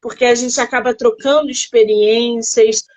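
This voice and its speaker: A Rio de Janeiro native with a Carioca Brazilian Portuguese accent hosts a literary livestream from her phone, casually interviewing an author with chatty exclamations. Her voice is a little high and a little mellow, with fairly even intonation at a normal speed.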